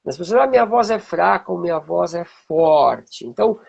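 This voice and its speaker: A Brazilian man with a husky, gravelly voice, teaching informally and checking in with rhetorical questions, as a music teacher would. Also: sits high, lively intonation, moderate pace, darkish tone, highs cut off. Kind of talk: informal explanatory talk with demonstrations.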